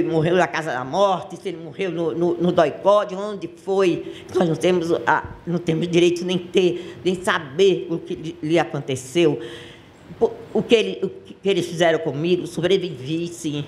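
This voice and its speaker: Older Brazilian woman witness, halting and impassioned, faint hum in the auditorium. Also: fairly low pitch. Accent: Brazilian Portuguese. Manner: impassioned, halting, with many restarts. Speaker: witness testifying at a public hearing. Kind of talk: personal testimony. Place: public auditorium.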